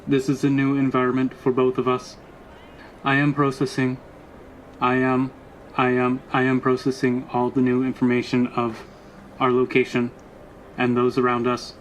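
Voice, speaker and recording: A man voicing a loyal, literal-minded robot bodyguard in a tabletop roleplay, speaking in stilted, halting, formal phrases. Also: medium pitch, completely flat delivery, a little hiss or hum, lightly acted, poor audio. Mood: measured, stilted.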